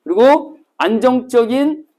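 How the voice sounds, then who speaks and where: A man teaching a cram school Korean class, telling stories vividly and acting out scenes with sudden shouts. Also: very high voice, unhurried. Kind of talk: classroom lecture to exam retakers.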